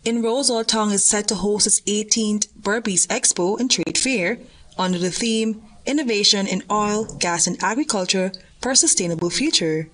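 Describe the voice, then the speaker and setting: A female news reporter from Guyana, reading a voice-over report in a measured, formal way. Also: medium pitch, fairly bright tone, low-quality recording.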